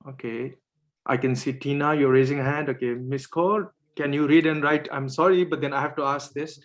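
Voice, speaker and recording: A man's voice: mid-range voice, fairly even intonation, normal speed. Man moderating a video-call panel. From Nepal. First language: Nepali. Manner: hesitant, many fillers and restarts.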